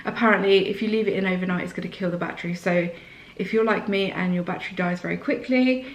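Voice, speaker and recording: A woman vlogger with a slight sore throat, chatting excitedly through a casual unboxing indoors. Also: lowish voice, fast, echoey room, rough recording.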